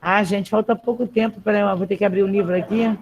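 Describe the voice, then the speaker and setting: A woman's voice: mid-range voice, fairly even intonation, quick pace, husky, highs cut off. A woman teaching a Portuguese class, reading a text aloud and patiently explaining spelling rules to her students. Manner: patient, checks in with frequent "tá?". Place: classroom with students in the room and at home.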